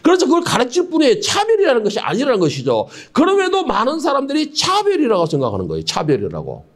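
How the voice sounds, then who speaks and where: A man's voice: very high voice, huge pitch swings, fast talker. A middle-aged man preaching a sermon as pastor, asking the congregation rhetorical questions and stumbling over many filler words.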